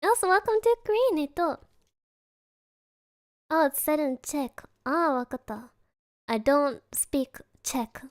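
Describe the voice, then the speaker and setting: Young female streamer, high voice, slow and easygoing, playful teasing, dry close mic. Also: big pitch swings, dry recording. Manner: playful teasing, soft laughs, Japanese fillers. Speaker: VTuber streamer. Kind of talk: casual chat reading viewer messages.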